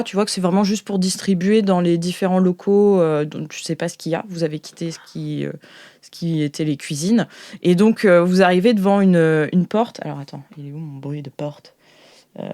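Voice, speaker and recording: A woman's voice: fairly low pitch, darkish tone. A woman game master improvising narration for a sci-fi audio role-playing game in an informal, playful, slangy way.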